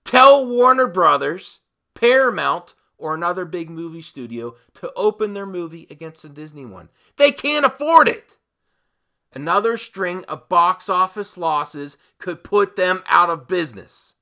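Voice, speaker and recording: A man delivering an opinionated video commentary in an emphatic manner, leaning on dramatic pauses and repeated phrases. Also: sits high, big pitch swings, pushed and bright. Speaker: host of a movie commentary channel.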